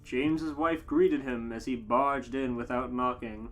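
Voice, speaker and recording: A podcast host reading comic fan fiction aloud in a deliberate way, given to amused asides. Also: medium pitch, steady tone. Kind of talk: comic scripted narration.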